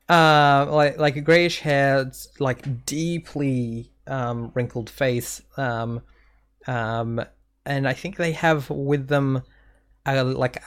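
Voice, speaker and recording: Guy running a tabletop game, slow and hesitant, lots of ums. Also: medium pitch, smooth. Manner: halting, many fillers. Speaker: game master.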